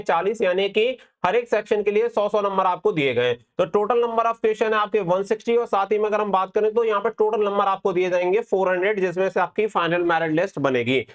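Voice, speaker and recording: A man hosting an exam-prep update, explaining things to students step by step and repeating key points. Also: sits high. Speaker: exam-prep channel host.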